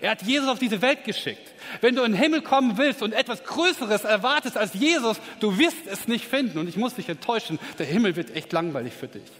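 A man preaching a sermon with emphatic, rising delivery that swings between quiet stretches and excited peaks. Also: sits high, fairly quick, few pauses. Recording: reverberant hall.

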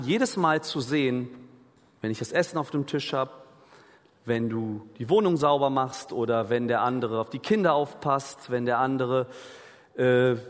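Guy preaching in a church hall, earnest, talks to the crowd, long reverb. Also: mid-range voice. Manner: earnest, conversational preaching with questions to the listeners. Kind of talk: sermon.

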